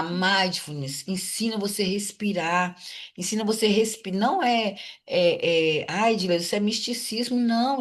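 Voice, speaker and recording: Woman teaching in a repetitive style. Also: medium pitch. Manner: repetitive, instructive, asks and answers her own questions. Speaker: course instructor. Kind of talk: recorded online class lecture.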